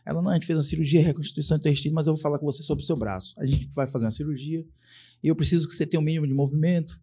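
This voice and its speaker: A man from Brazil, a police sergeant guest on a casual podcast, telling stories in a lively way, acting out the voices of other people and swearing freely. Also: fairly high pitch, very fast, husky. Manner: animated storyteller acting out dialogue, swears freely. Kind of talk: casual podcast chat, storytelling.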